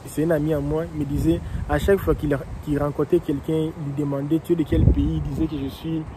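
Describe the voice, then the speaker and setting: A man from Congo who vlogs about immigration, explaining slowly and repetitively with many hesitations, outdoors in a city. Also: fairly high pitch, little pitch movement, noisy background. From Democratic Republic of the Congo. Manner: slow and repetitive, with frequent hesitations and restarts. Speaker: immigration vlogger and coach. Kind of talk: casual explanatory monologue.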